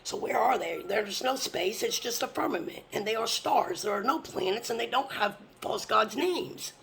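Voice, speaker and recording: A fervent religious teacher preaching from scripture, blunt and sometimes swearing, often dropping into a hushed whisper. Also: mid-range voice, animated, normal speed, vocal fry, slight background noise.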